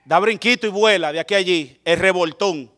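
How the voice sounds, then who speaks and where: A male preacher giving a dramatic sermon, swinging between loud calls and quiet low asides to the congregation. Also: brisk.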